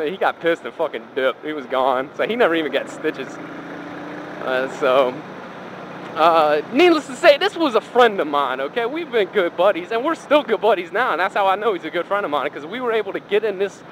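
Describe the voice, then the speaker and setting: A man's voice: high-pitched, fairly bright tone. A man telling a casual, rambling, profane story in colloquial speech, talking inside a helmet while riding a motorcycle. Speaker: motorcycle vlogger. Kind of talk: casual first-person storytelling. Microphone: helmet microphone. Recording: engine and road noise, helmet mic. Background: motorcycle and traffic noise.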